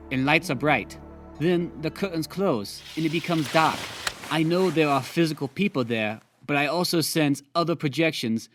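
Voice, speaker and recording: A man in his thirties with a Singaporean accent, calmly recounting a personal experience as a guest. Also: a little high. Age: 30s. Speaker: guest storyteller.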